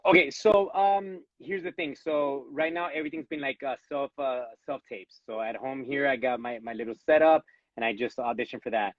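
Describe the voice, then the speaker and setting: The speaker is an actor with a Latino, Cuban-American accent who was born in Los Angeles and raised in Miami by Cuban parents. His voice is medium-pitched and moderately paced, heard in lo-fi sound with no room sound as he talks from home. During a casual live interview he speaks earnestly about acting, restarting sentences by repeating their first words.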